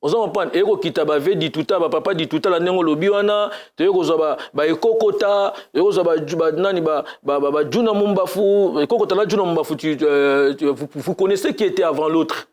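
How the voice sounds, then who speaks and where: A man from Kinshasa, a music animateur talking casually in an interview, mixing Lingala and French in a lively way. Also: on the high side, fairly quick, hardly any pauses. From Congo (Kinshasa). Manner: mixes Lingala and French, lively, bursts into chanted cries.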